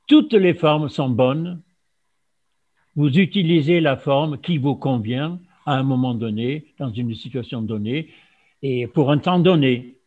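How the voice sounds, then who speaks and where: A man from Germany whose first language is German, giving an informal talk with many pauses and restarts. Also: medium pitch, a little mellow. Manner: halting, many fillers and restarts. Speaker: speaker on fasting. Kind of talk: informal lecture to an audience. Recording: dull lo-fi sound.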